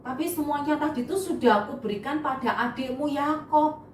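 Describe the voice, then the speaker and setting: A woman voicing Isaac, an old father who gently explains in a story for children. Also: sits high, a little fast, a little hiss or hum, lightly acted. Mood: gentle. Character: old blind father, calm and sorry. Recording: echoey room, mic far off.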